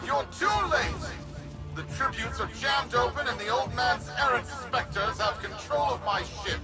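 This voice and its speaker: High, slow, smug villain. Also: male voice, expressive. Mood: desperate spite. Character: vindictive, smug male fleet commander villain. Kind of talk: scripted video game villain dialogue. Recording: loud music over the voice.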